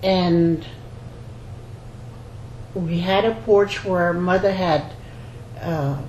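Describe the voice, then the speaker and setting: An older woman in her 70s or beyond, a basket maker from rural Louisiana, shares personal recollections in an oral history interview. She speaks slowly in a fairly low, steady, slightly mellow voice, with roomy echo and faint background noise in the recording.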